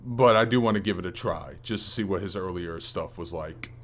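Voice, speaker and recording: Low-pitched man chatting on a gaming podcast. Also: a little fast, fairly bright tone. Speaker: podcast host. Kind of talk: casual gaming podcast chat.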